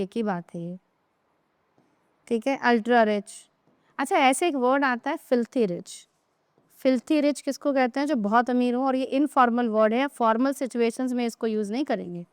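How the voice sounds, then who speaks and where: A woman with a fairly high, smooth and clear voice teaches vocabulary. She explains each word patiently, keeps asking whether the class is following and reads her example sentences slowly. The sound is dry and close, with no room around it. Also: dry recording. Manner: explanatory, checks understanding often; slows down to read English example sentences. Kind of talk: online vocabulary lesson.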